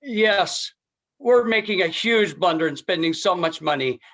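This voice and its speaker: A man's voice: high voice, animated, a little slow, a bit bright. A man giving an impromptu persuasive speech as a contestant, earnest and emphatic, repeating key phrases. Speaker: contest speaker.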